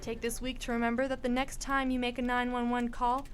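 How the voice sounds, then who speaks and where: A woman's voice: fairly high pitch, little pitch movement, brisk, a crowd in the background. A woman reporter reading scripted narration for a local news feature. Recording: clear background noise, room ambience.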